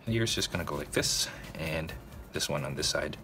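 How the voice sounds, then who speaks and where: Low-voiced man talking through a drawing. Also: lively intonation, a little fast, pushed and bright, faint music behind. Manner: casual, addresses viewers directly, frequent "okay?" check-ins. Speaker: drawing tutorial host. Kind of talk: narrated step-by-step drawing tutorial.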